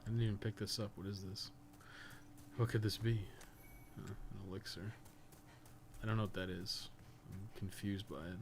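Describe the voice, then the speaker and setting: A man's voice: on the low side, level tone, moderate pace, pauses often, background noise. A man live-streaming a video game with casual, slangy commentary, swearing freely and sometimes muttering to himself as he plays. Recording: music behind the voice. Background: music.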